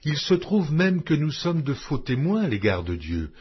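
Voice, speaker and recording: A man reading scripture aloud in a slow, measured, expressive way, with a husky voice. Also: fairly high pitch, slight background noise. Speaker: Bible reader. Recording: dull lo-fi audio.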